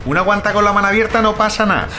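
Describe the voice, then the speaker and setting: A man's voice: high voice, steady tone, very fast, pushed and bright, faint music behind. A man playing a blunt, anxious, grumbling underling who talks colloquially and exclaims, in a comedy horror audio drama. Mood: alarmed.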